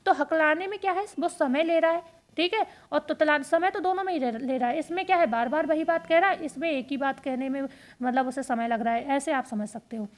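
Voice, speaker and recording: A woman teaching an exam-prep lesson, explaining step by step and repeating key points as quick questions and answers. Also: sits high.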